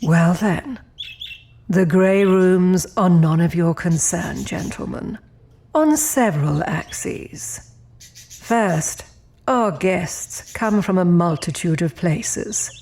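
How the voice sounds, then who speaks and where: A serene mistress of a deadly otherworldly realm in an audio drama. Her voice sits slightly low and moves very slowly. She is formal and measured, courteous with a cold edge. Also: a little mellow, a little hiss or hum. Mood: cool, composed. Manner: formal, measured, unhurried, polite.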